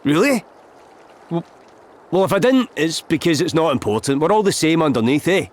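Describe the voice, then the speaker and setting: Guy acting cheeky scottish noble traveller in a video game, chummy, boastful, voice a bit high and all over the place. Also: lively intonation, normal speed, close to an everyday voice. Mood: indignant, boastful. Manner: chummy, folksy, bluff. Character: breezy, boastful male traveller of noble birth.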